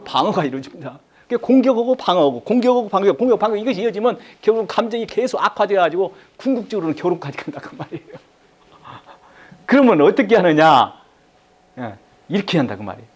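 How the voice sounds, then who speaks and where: A man's voice: high voice, sing-song, fast talker. A middle-aged man giving a live lecture to an audience, repeating key phrases and having them echo him back.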